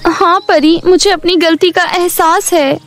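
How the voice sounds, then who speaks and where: A humbled young heroine speaks in an earnest, pleading way. Her voice is very high and bright with youth. Soft music hums under her in this animated storybook. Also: measured pace. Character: young woman, humbled and remorseful. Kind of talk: storybook voice acting.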